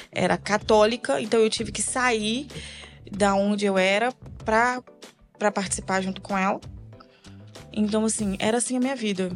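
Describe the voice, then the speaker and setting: A Brazilian woman speaks in a halting, quiet and emotional way as she gives a personal testimony on a podcast. Her voice sits at an ordinary middle pitch for a woman. Faint music plays underneath. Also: vocal fry. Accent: Brazilian Portuguese. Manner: halting, soft-spoken, emotional storytelling. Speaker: podcast guest.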